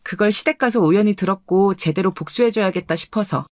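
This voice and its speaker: A woman voicing a calm, confident and teasing wealthy wife in a dramatized radio story. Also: medium pitch, fast talker, no echo, studio quality, natural voice. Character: rich, self-assured young wife.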